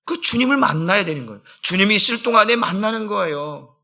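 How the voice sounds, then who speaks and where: A middle-aged man, a senior pastor, preaching a sermon in a church, swinging between loud exclamations and hushed low lines. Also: animated, fast, creaky. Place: church sanctuary.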